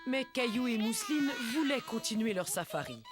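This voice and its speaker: A woman performing as the gentle storybook narrator of a children's cartoon, telling it expressively to young listeners. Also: fairly high pitch, animated, normal speed, loud music behind the voice, close to an everyday voice. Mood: storytelling.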